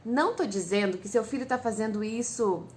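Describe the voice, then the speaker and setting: A woman's voice: a little high, fairly quick. A woman with a Brazilian Portuguese accent, a parenting educator, explaining things patiently and speaking directly to the parents listening. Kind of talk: casual instructive talk to parents.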